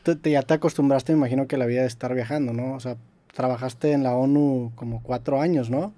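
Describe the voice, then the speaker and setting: A man's voice: medium pitch, fairly even intonation, fast, dark tone, dry recording. A man with a Mexican Spanish accent hosting a casual interview in an agreeable, informal way. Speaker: interviewer, host.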